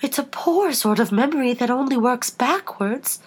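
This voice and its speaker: A woman's voice: high voice, lively intonation, moderate pace, husky, voice pushed up. A woman voicing a fretful, scatterbrained storybook queen, groaning and sighing, stretching her phrases for emphasis. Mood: kindly, careless.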